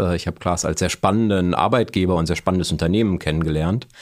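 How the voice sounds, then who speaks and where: A man speaks at a very deep, low pitch. Noticeable background noise sits behind him. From Germany, East Westphalia (Bielefeld). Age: 30s. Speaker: product strategy manager at a farm machinery maker. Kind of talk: interview.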